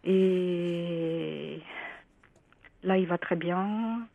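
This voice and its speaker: A woman in her sixties calling a radio show, emotional and halting, over a phone line. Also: fairly low pitch, gravelly. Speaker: caller.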